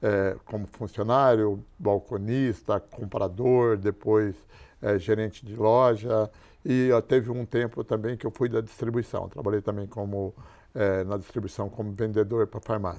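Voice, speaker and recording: Over a quiet background, a man's fairly low voice has a dark, mellow tone, fairly even intonation and a fairly slow pace. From Brazil, rural São Paulo state. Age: 60s. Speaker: pharmacy business owner. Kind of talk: podcast interview. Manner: halting, many false starts.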